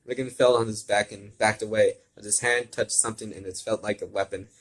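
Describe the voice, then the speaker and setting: A man's voice: on the low side, steady tone, brisk, poor audio. A man reading fan fiction aloud as an amateur, stumbling over words, repeating and correcting himself and adding his own asides.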